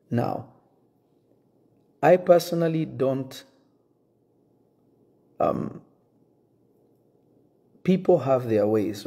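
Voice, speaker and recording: Earnest, husky-voiced pastor, French native speaker. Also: male voice, mid-range voice, dark tone. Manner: earnest, measured, restarts to pick his words. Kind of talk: direct-to-camera address to his congregation. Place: indoor room with wooden shelves.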